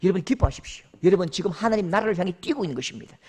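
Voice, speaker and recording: A man's voice: high-pitched, animated, very fast, warm tone, breathy edge. A man preaching a sermon as pastor, emphatic, calling out scripture and acting out voices.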